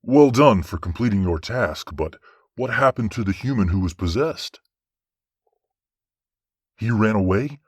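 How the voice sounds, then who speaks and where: Low male voice actor as a stern, fair archangel judge, formal and measured, fantasy audio drama, close dry sound. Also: expressive, slightly rough, dry recording. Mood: stern questioning.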